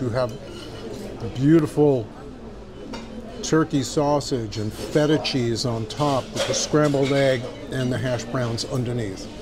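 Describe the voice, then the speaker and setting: Over noticeable background noise, a man talks at a fairly slow pace with fairly even intonation. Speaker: food vlogger. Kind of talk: casual vlog chat. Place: cafe. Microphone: lapel.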